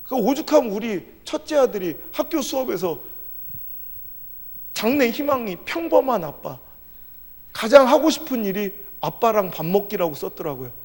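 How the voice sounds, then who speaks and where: Male pastor, high gravelly voice, emotional sermon storytelling, in a reverberant church hall. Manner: emotional storytelling, swinging from soft to loud. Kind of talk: revival sermon. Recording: echoey hall with long reverb.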